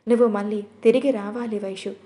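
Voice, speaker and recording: A man's voice: high-pitched, fairly even intonation, a little fast, warm tone, close to an everyday voice. A woman voicing a grieving, devoted young husband who pleads tearfully. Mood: pleading.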